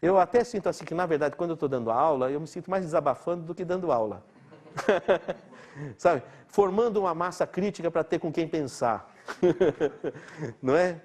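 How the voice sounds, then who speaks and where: A man's voice: fairly high pitch, animated, moderate pace, pauses often, darkish tone. A middle-aged man from Brazil giving a chatty, informal lecture, laughing often and asking his listeners rhetorical questions. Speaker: doctor lecturing.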